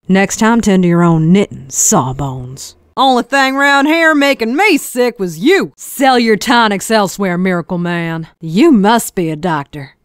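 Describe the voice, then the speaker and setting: A woman's voice: mid-range voice, fairly bright tone, smooth, no room sound, clean studio sound. Woman playing cocky Texan cowgirl engineer. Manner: drawling, folksy trash talk. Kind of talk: game voice lines.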